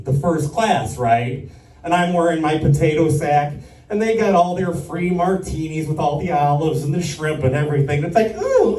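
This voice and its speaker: A man's voice: on the high side, a little mellow, a little hiss or hum. A man doing stand-up comedy in front of an audience, rambling through sardonic complaints. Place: live stand-up performance in an echoey room. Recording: echoey room, distant mic.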